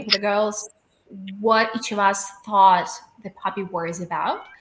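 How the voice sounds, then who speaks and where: With a bright, sharp tone and a fairly high pitch, a woman speaks at a moderate pace. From Ukraine. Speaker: interview host, writer. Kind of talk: interview.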